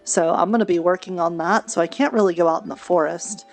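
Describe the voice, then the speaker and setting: Female roleplayer with a slightly low voice, earnest and chatty in character, light music underneath. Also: fast talker, gravelly. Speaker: streamer and roleplay player. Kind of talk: improvised in-character fantasy roleplay chat. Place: online virtual reality session.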